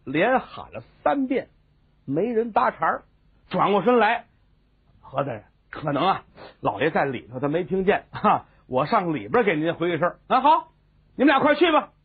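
A man telling a comic story, animated and voicing many characters. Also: sits high, normal speed, husky. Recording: tinny phone-like sound.

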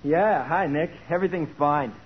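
A man's voice: a little high, moderate pace, lightly acted. An actor playing a cocky, streetwise young male small-time crook with slangy tough-kid talk, in 1940s radio drama style. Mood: cheerful, eager. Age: young adult. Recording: muffled old radio broadcast.

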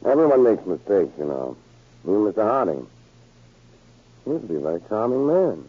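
An actor playing a smug, cold-blooded, controlling spy villain in a 1940s radio drama, with a gruff, rough voice. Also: male voice, on the low side, very animated, fairly quick. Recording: scratchy, narrow-band 1940s radio recording.

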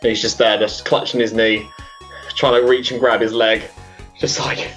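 A man's voice: fairly low pitch, level tone, moderate pace, fairly bright tone, soft background music. A man narrating a tabletop game as game master, in loose, chatty talk full of fillers and laughs.

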